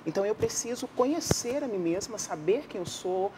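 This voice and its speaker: A woman guest on a faith-based talk show, delivering testimony with firm emphasis and slowed, stressed phrases. Her voice sits mid-range. Clear background noise hums under the studio audio. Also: mid-range voice, lively intonation. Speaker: guest counselor who sees many women. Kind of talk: religious TV talk.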